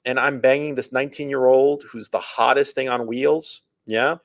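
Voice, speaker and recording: A man in his forties, a podcast host, telling a story and giving dating advice in a blunt, crude, animated way. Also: medium pitch, moderate pace, dry recording. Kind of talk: casual dating-advice talk.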